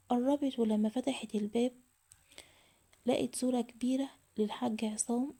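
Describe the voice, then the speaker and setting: An Egyptian woman tells a horror story in a measured, level voice that barely rises or falls. Her tone is mellow and soft-edged, with her voice sitting a little high for a woman. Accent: Egyptian Arabic. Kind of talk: scripted horror story narration.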